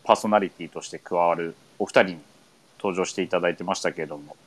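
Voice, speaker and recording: A man hosting a casual radio chat, easygoing and filling pauses with many hesitation sounds. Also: sits low, breathy edge. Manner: easygoing, leads with many fillers. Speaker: radio show host.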